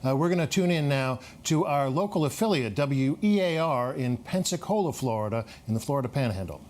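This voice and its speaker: A man anchoring live news coverage, measured and a little hesitant as he ad-libs. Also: mid-range voice.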